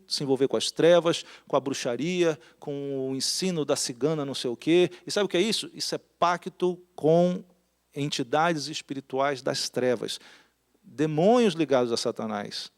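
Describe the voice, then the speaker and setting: A man preaching a sermon in a church, talking with the congregation and putting questions to them. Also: fairly high pitch. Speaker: pastor. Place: church hall.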